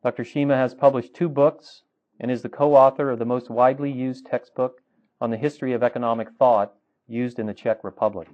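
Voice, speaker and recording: A man's voice: medium pitch, fairly even intonation, a little fast. Man reading a formal introduction, lo-fi. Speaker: conference host introducing the speaker. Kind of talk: scripted introduction read aloud. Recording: dull lo-fi recording.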